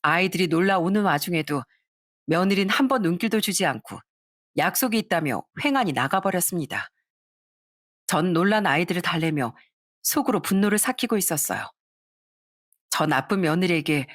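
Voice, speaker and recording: A woman narrating a first-person family story in a measured scripted read. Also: on the low side, expressive, dry recording, clean studio sound.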